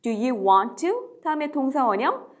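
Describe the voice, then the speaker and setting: Woman teacher, higher voice, slow and very lively, drills phrases for parents. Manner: lively, drawn-out modelling of English phrases. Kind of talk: slow, deliberate language lesson.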